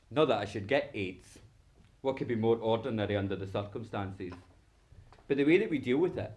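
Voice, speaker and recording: A man's voice: medium pitch, darkish tone, lightly acted. An actor playing a wry, flamboyant gay man in a theatrical solo monologue, dramatic and sardonic, slipping into mimicked dialogue. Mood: wry, musing.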